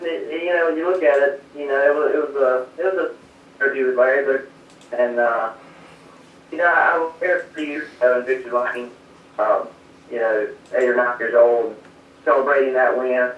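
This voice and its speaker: A man's voice: medium pitch, steady tone, normal speed. A man, a race crew chief answering interview questions modestly while calling in from home over a phone line that breaks up. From South Carolina, USA. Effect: calling in remotely over a phone line that breaks up and fades. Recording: dull, distant, echoey call-in line.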